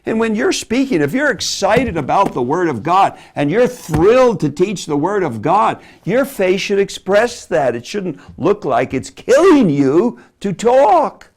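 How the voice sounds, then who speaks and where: A man giving a teaching lecture on preaching delivery, animated and demonstrative, dropping from loud emphasis to hushed asides. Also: high voice, unhurried, few pauses. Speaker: Bible teacher.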